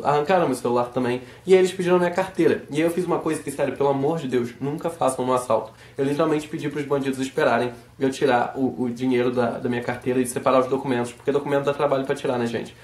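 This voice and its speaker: A man with a Rio de Janeiro Brazilian accent, a little hoarse from a sore throat, chatting informally and emphatically like a vlogger. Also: mid-range voice, a little mellow, reverberant. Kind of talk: casual monologue to camera.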